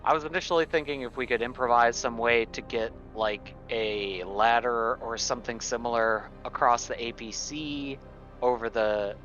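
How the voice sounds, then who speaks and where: Lo-fi audio, male game player, medium pitch, casual planning talk. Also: steady tone, normal speed, fairly bright tone, faint music behind. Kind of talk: casual tactical game chat.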